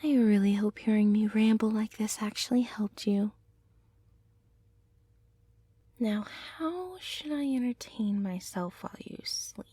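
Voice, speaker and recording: A woman playing a gentle, affectionate young centaur girlfriend in an ASMR roleplay, speaking softly and tenderly in an unhurried ramble. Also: mid-range voice, slightly rough, dry recording, lightly acted. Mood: tender, hushed.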